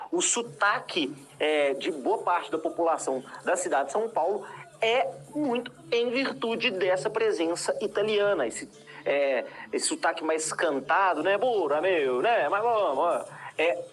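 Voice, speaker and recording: A woman with a Brazilian Portuguese accent teaching a history lesson, explaining patiently and checking in with her students often. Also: mid-range voice. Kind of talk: recorded classroom lesson.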